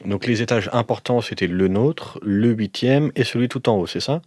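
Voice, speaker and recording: A man's voice: medium pitch, normal speed, darkish tone, no echo. A man chatting casually as a player in an improvised tabletop role-playing game.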